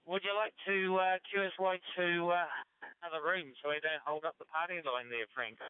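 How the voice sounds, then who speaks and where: A man's voice: on the high side, fairly quick, clean tone, no echo. A man with a helpful, instructive manner chatting as an experienced amateur radio operator over a two-way digital radio. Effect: two-way digital radio transmission. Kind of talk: casual radio chat with operator jargon. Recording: dry, muffled digital radio audio.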